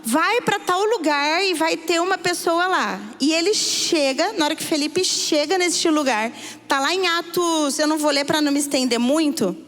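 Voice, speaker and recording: A woman with a Brazilian Portuguese accent preaching a sermon, telling a story and swinging between hushed and excited tones. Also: high-pitched, moderate pace. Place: church hall. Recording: hall reverb.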